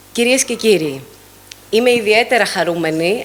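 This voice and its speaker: Noticeable noise runs through the background. Against it, a woman talks at medium pitch, varying it in an ordinary way. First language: Greek. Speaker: government official. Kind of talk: formal speech. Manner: formal.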